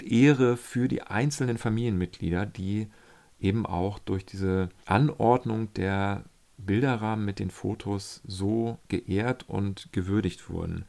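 Low gravelly man recalling a pilgrimage. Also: a little mellow. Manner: reflective, searching for words, many fillers. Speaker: pilgrim telling of his journey. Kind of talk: casual spoken travel account.

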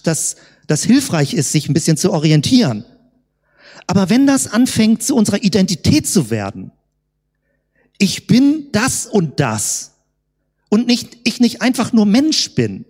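Woman preacher, sermon delivery, slightly husky, heavy hall reverb. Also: lowish voice, mellow. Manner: rhetorical questions, slowed emphatic words.

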